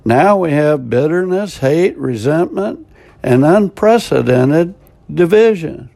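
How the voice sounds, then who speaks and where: A man's voice: fairly high pitch, lively intonation, slow, gravelly, dark tone. An older American man reading a short scripted devotional in a plainspoken, homespun way with dry self-mocking humor. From United States. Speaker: devotional radio host.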